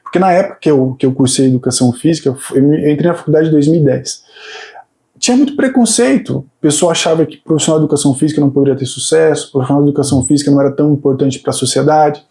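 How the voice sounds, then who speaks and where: A man's voice: fairly high pitch, very fast, warm tone. A man in his thirties, a fitness coach, talking earnestly about his path with many hesitant restarts. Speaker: fitness coach and PhD student guest. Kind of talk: casual interview chat.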